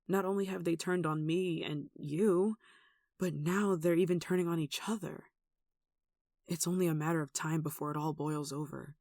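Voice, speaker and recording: Performer acting out a gentle, soft-spoken nun, dry close sound. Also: medium pitch, steady tone, normal speed, no room sound, close to an everyday voice. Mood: worried, somber. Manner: tender, soothing, wistful, with sighs and soft chuckles. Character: gentle, protective young nun caring for a sick demon. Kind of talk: ASMR roleplay, soft intimate acting.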